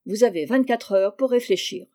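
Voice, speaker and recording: Woman narrating a cruel headmaster, cold and severe, warm voice. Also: on the high side, moderate pace, lightly acted. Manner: cold, pronouncing sentences. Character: cruel stern male school director. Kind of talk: audiobook reading.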